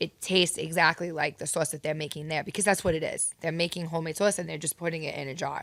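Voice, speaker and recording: Animated and very fast, a woman with a strong New York accent talks at a fairly low pitch with hardly any pauses. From New York City, Brooklyn. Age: 30s. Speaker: food content creator. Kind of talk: casual chat. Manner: loud.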